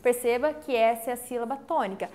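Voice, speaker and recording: A woman's voice: a little high, darkish tone. A woman teacher, giving an online literature lesson, explaining step by step and often checking in with the class. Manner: explains step by step, counts syllables slowly aloud; checks in with frequent "tá?".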